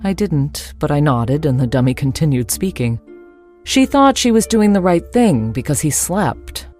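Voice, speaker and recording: A woman's voice: low-pitched, very animated, normal speed, mellow, soft background music. A woman reading a first-person ghost story as its narrator.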